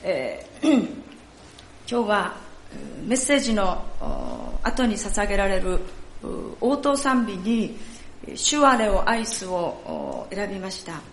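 A woman leading a church service, speaking in a polite, formal and measured way. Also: mid-range voice, huge pitch swings, gravelly. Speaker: church worship leader. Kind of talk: sermon talk at a church service. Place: church sanctuary. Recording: echoey church hall, faint noise.

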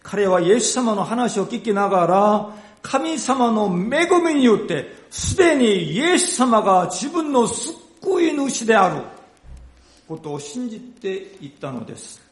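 A man's voice: high voice, sing-song, unhurried, echoey room. A man preaching a sermon, retelling a Bible story with dramatic, rising emphasis.

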